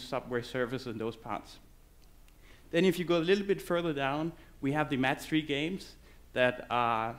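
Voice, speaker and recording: Male conference speaker, English, loose and halting on stage. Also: medium pitch. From Denmark. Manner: loose, halting delivery with many fillers and restarts. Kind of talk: conference presentation.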